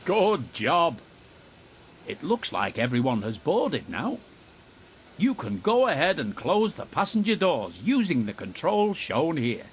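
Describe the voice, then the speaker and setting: A man's voice: on the high side, wildly swooping pitch, unhurried, slight background noise, full character voice. A man playing an encouraging, instructive narrator in a scripted children's train game tutorial. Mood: instructive, calm. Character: encouraging male tutorial narrator guiding young train drivers.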